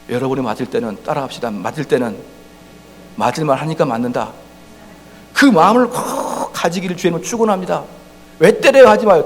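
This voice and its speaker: A high-pitched male pastor preaching with a lively, swooping delivery. He is emphatic and shifts from loud outbursts to low asides, acting out the voices he quotes. His voice carries a long church-hall reverb. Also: creaky, slight background noise. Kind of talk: sermon. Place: church sanctuary.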